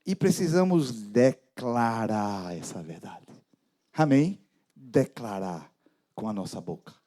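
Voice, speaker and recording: A man preaching a sermon as pastor, dramatic, with sudden soft drops in his voice. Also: lowish voice, lively intonation, slow pace.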